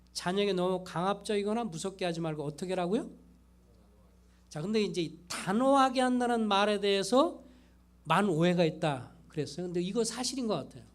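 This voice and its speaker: A man's voice: high-pitched, darkish tone. A man, a pastor, giving a church parenting lecture and acting out quoted parent and child lines. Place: church hall.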